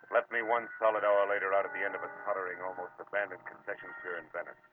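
Actor as a deep-voiced hard-boiled private eye. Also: male voice, little pitch movement, very fast, lightly acted. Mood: grim, brisk. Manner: terse, sardonic, hard-boiled. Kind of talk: 1940s radio detective drama narration. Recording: noisy, muffled old radio recording.

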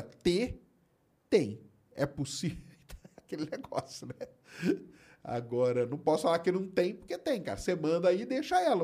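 A Brazilian man answers questions about space in an easygoing, explanatory manner. His voice is husky and sits slightly high. He moves around a lot in pitch. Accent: Brazilian Portuguese. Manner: relaxed, explanatory, tags phrases with "né" and "cara". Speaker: astronomy expert answering viewer questions. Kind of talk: casual live-stream chat.

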